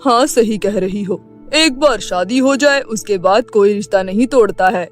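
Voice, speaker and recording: A woman's voice: medium pitch, normal speed, close to an everyday voice. A woman voicing a stern, middle-aged king in a cartoon story, with an admonishing manner. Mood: doubtful. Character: stern middle-aged king worried about public opinion. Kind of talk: Hindi cartoon story dubbing. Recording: music bed behind the voice.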